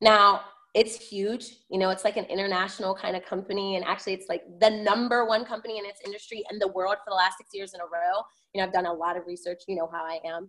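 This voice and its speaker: A woman's medium-pitched voice, very fast and animated, with big swings in loudness. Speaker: network marketing trainer. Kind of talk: sales training talk. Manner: fast, rushed.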